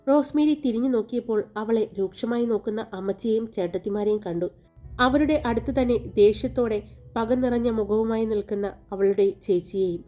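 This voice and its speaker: A woman storyteller reading a romantic audiobook, her voice fairly high yet warm and mellow. She narrates calmly and evenly while soft music plays faintly behind her. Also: brisk. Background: faint background music.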